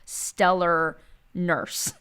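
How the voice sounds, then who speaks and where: Smooth, lower-pitched woman podcaster. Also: flat delivery, drawn-out words, a bit bright. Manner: bilingual, drops Spanish slang into English; playful, irreverent. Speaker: podcast co-host. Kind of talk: casual comedic storytelling chat.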